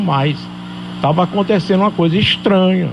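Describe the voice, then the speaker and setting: A man's moderately paced speech amid noticeable background noise and audible room echo. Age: 60s. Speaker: pastor. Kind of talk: church teaching, informal sermon-style lesson. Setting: church. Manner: conversational, rambling with filler tags.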